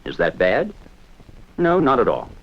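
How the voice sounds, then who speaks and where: A man giving measured, explanatory scripted narration for a 1970s educational film. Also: medium pitch, huge pitch swings, dull audio.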